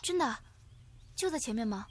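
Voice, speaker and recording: A woman voicing an easygoing, polite young university student in a visual novel, with a gentle, hesitant manner. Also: fairly high pitch, animated, moderate pace, slight background noise, close to an everyday voice. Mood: excited.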